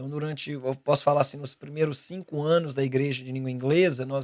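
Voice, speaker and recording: This man has a plain, everyday voice pitched fairly high. His intonation stays fairly even. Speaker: pastor. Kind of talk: casual chat.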